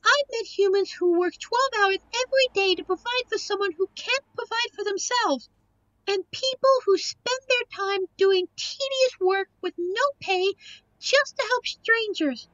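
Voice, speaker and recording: A woman acts as a girlish young demon in an audio drama, extremely high in pitch. She is sweet, earnest and stubbornly protective, heard close and dry on a slightly dull recording. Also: a little slow, a bit bright, no echo. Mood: earnest, tender. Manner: earnest, pleading, defiant. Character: sweet, defiant young succubus daughter protecting her lover. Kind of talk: scripted audio roleplay acting.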